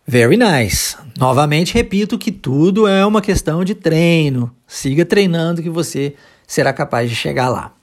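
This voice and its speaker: A Brazilian teacher leads a podcast English lesson with a patient, step-by-step manner. Key phrases are modeled slowly and repeated several times, in a relaxed, encouraging classroom tone. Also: medium pitch. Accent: Brazilian Portuguese.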